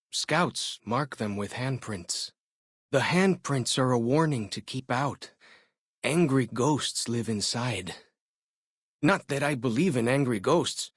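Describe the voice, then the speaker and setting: An actor playing a young tribal scout in a video game, friendly, eager and earnest, speaking in simple, informal phrasing. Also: male voice, mid-range voice, slightly rough, dry recording, clean studio sound. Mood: hesitant, uneasy. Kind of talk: video game character dialogue.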